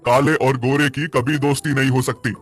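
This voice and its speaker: A man voicing a sulky, husky black bull. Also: mid-range voice, steady tone, moderate pace, natural voice. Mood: angry rejection. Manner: bitter, self-pitying. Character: sulky, jealous, insecure black bull of a village farmer. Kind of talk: animated moral story character voice.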